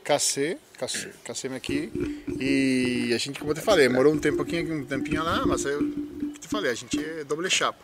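A man's voice: mid-range voice, normal speed, a loud crowd. A man in his forties from Uruguay with a Uruguayan Spanish accent, a guest chatting about his life in a backyard interview, laughing as he tells stories on a handheld mic. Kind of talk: casual interview talk. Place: outdoor backyard. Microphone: handheld microphone.

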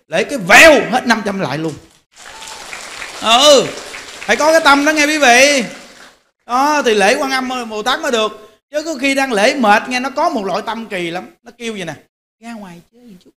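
Bright-voiced monk preaching in an animated, exhorting way. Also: male voice, very high voice. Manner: animated, exhorting the audience, direct. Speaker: Buddhist monk. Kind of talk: sermon.

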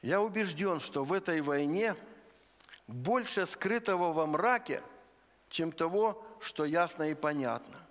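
High-voiced preacher in an echoing church. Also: male voice, expressive, fairly bright tone. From Luhansk region, Ukraine. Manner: earnest, deliberate, numbered points. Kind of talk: sermon. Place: church sanctuary. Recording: long church hall reverb.

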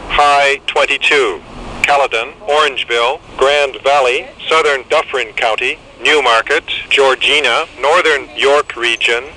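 A man's voice: medium pitch, steady tone, unhurried, pushed and bright, slight background noise, poor audio. A synthetic man's voice reading an automated weather forecast in a segmented, pieced-together delivery through a small handheld radio speaker. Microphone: camera held near radio's speaker.

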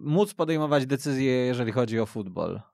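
A man hosting a radio football panel, speaking in a measured way and adding corrections, in a studio. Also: mid-range voice, lively intonation, gravelly, darkish tone, no echo. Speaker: radio show host. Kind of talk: studio podcast discussion.

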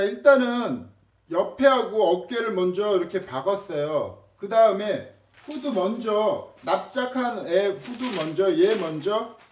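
A man's voice: sits high, a little mellow, roomy sound, distant mic, low-quality recording. A man teaching a casual sewing tutorial, chatty and demonstrative, talking straight to his viewers as he works. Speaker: sewing instructor.

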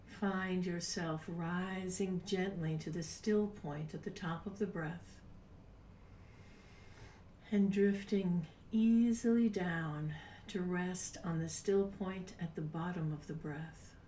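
A woman in her sixties leading a guided meditation in a soft, breathy, unhurried voice with long pauses, at times near a whisper. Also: lowish voice, fairly even intonation. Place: small home room, indoors. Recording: roomy, distant mic with background noise.

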